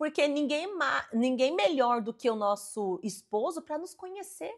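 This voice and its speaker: Her pitch is high, and it swings very widely. The woman speaks at a fairly slow pace. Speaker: missionary preacher. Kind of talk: casual interview chat.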